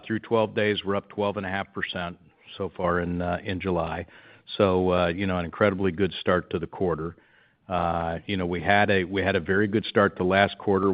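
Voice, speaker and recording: Low-voiced male executive on a dull call. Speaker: company executive answering analysts. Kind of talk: earnings call answers. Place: conference call. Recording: dull, band-limited conference call audio.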